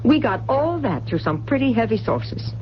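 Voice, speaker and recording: A woman's voice: fairly high pitch, very animated, normal speed. An actress playing a hard, impatient female criminal accomplice in 1970s radio drama style. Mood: pressing, tense. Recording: dull, noisy 1970s radio broadcast.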